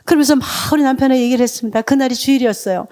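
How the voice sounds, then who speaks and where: Middle-aged woman, church testimony, higher voice, heartfelt storytelling. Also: rapid-fire, warm tone. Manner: emotional storytelling, leads congregation in reading. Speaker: deaconess giving testimony. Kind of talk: revival testimony sermon.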